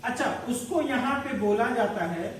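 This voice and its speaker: Speaking at a moderate pace in a very high voice, a male commerce teacher walks students through an accounting lecture one step at a time, addressing them as "beta." The recording has a distant mic, heavy room echo and faint background noise.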